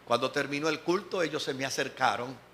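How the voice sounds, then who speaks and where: A man's voice: medium pitch, fairly quick, pushed and bright, a little hiss or hum. A man with a Dominican Spanish accent, a pastor giving a sermon as a personal testimony, telling his story and acting out the voices of the people in it. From Dominican Republic. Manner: storytelling, acting out quoted dialogue. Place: church service.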